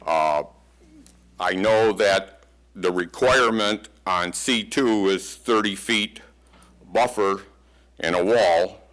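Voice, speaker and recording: Deep, big-voiced male resident at a hearing podium; plain, halting delivery. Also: a bit bright. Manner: halting, plainspoken, many fillers. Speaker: resident speaking at public hearing. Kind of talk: public comment at a meeting. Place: township meeting hall. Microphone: podium microphone.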